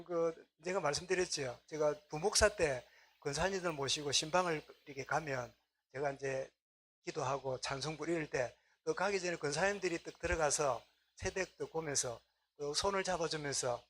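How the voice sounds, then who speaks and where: A man's voice: on the high side, moderate pace, a bit bright, a little hiss or hum. A middle-aged man, preaching a conversational sermon as a pastor.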